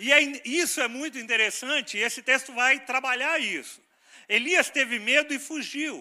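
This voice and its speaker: The voice is raised and projected, bright and sharp in tone, with fairly even intonation at a moderate pace. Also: man, extremely high pitch for a man. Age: 50s. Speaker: pastor. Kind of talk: sermon. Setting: church.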